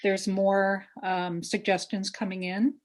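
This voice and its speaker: A woman hosting and moderating an event, making informal announcements in a casual, halting way. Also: mid-range voice, little pitch movement.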